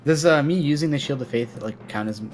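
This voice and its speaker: A man's voice: on the high side, brisk, loud music behind the voice. A man chatting casually as a player in a tabletop roleplaying game. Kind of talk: casual chat during a game.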